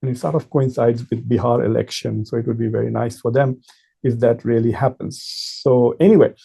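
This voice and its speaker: A man speaks as an informal commentator, laying out his argument step by step with emphasis. His voice is very dark and mellow, with a husky grain and plenty of gravelly creak. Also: medium pitch, steady tone, normal speed. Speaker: political commentator and professor. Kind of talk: informal political commentary to camera.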